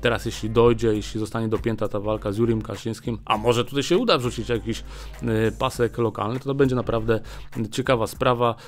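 A man in his thirties runs through the boxing news in a relaxed, chatty way. He often stops with a drawn-out filler sound while he hunts for the next word. He talks close to a desk mic in a small indoor studio. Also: mid-range voice, faint music behind. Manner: chatty, many filler "e" pauses. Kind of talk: casual news commentary. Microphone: desk mic on a small stand.

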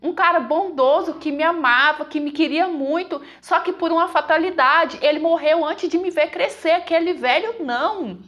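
Speaking in a fairly high, fairly bright voice, a woman tells a dramatic, emotional story in the first person, talking directly to her listeners as if confiding something personal. Her pace is normal with hardly any pauses, and the audio sounds dull.

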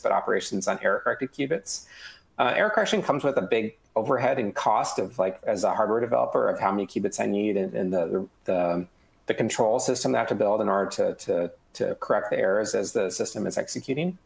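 Gravelly-voiced man in a roomy call. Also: fairly low pitch. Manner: measured, many ums and uhs. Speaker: hardware developer. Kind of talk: technical panel discussion. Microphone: headphones on a video call.

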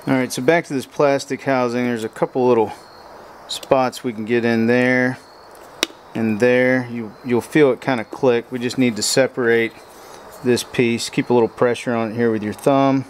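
A man's voice: mid-range voice, fairly even intonation, moderate pace, slight background noise. A man walking through a repair step by step in a plain, practical way while he works with his hands at a truck bed. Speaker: motorcycle repair how-to host. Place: outdoors at a pickup truck bed workbench.

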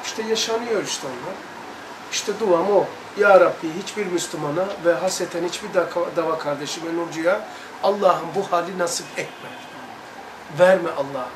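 Male religious study teacher, high voice, earnest and emphatic storyteller, recorded from a distance with light background noise. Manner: earnest and emphatic, acting out sounds and drawn-out words. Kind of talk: recounting a personal experience and reading aloud in a study lesson. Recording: echoey room, distant mic, light noise.

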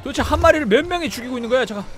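Casting note: high-pitched, lively male gamer, yelling play-by-play over game music. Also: racing. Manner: shouts and exclaims, talks to the game creature. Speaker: game streamer. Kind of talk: excited gameplay commentary.

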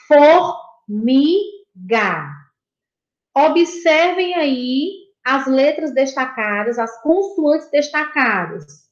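A woman with a Brazilian Portuguese accent gives a video lesson to young pupils with a high voice. She talks slowly and patiently, repeats every point and praises the answers. The recording sounds dull and echoey, as if made in a bare room. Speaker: primary school teacher.

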